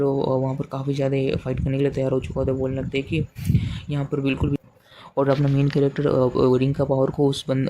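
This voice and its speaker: Indian man, casual recap narrator, fast and monotone, rambling with restarts, faint room hum. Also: medium pitch. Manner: rambling, repetitive, many fillers and restarts; speaks quotes in the same flat narrating voice.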